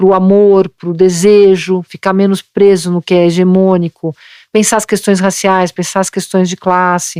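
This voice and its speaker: A woman speaks at a fairly slow pace with monotone, flat intonation. The sound is dry and close with no echo, and the recording is very clean with a silent background. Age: 60s. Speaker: psychoanalyst. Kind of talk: interview conversation.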